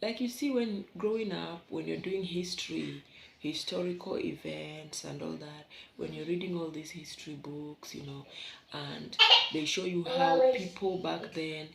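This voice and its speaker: A woman's voice: low voice, measured pace, creaky. A Kenyan woman vlogging from her bedroom, chatting in a rambling way with asides to her viewers. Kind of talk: casual vlog chat. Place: bedroom at home. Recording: echoey room, faint background hum.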